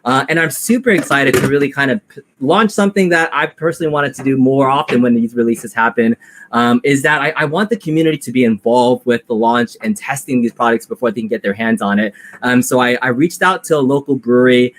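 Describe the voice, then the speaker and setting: A man's voice: medium pitch, brisk, fairly bright tone. A man reviewing a product on a live stream, chatting casually and rambling with many fillers. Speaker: product reviewer and content creator.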